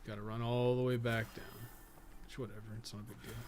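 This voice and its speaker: A man's voice: mid-range voice, level tone, fast, a little mellow, slight background noise. A man giving casual live gameplay commentary, rambling and thinking aloud in loose, sometimes profane language. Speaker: podcast co-host and gaming streamer.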